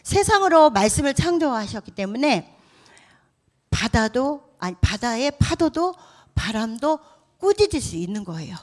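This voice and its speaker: A woman with a fairly high voice preaches to children in a church service. She tells the story in an animated way and keeps turning to the young listeners with questions. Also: a little slow. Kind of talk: children's sermon.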